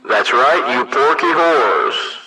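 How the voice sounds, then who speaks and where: A man's voice: mid-range voice, sing-song, takes it slowly, pushed and bright, heavily acted, rough recording. A man putting on a rude store cashier making a crude supermarket PA announcement to shoppers. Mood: mocking. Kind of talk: casual joking chat.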